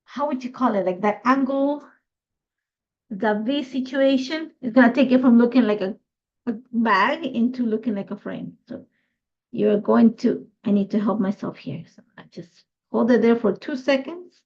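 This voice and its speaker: A woman's voice: fairly high pitch, normal speed, a little mellow, dull audio. A middle-aged woman from Ecuador, chatty and thinking aloud as she hosts a live scrapbooking tutorial. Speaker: craft host.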